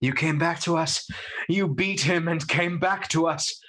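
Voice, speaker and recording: A man's voice: on the high side, measured pace, a bit bright. A man playing an earnest young heroic husband in a radio play, devoted to his beloved. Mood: relieved. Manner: urgent, earnest. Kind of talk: theatrical radio play acting.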